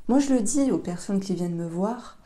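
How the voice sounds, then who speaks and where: A woman gives a tarot reading in a gentle, unhurried way, often stopping on fillers and correcting herself. Her voice is very dark and mellow. She sits at a middling pitch for a woman. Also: lively intonation. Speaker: tarot reader.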